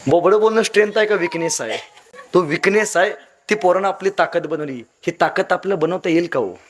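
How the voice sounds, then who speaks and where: Man, motivational speaker, high-pitched, dramatic storytelling, loud appeals and hushed asides. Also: brisk, slight background noise. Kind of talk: motivational speech to youth.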